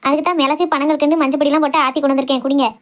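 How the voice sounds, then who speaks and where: Casting: woman as feisty Tirunelveli village mother for cartoon drama, piercingly high, rattling off complaints. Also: little pitch movement, natural voice. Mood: concerned, insistent. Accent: Tirunelveli Tamil. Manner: scolding, argumentative, rapid complaints. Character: sharp-tongued, outspoken village wife and mother. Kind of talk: amateur cartoon family drama.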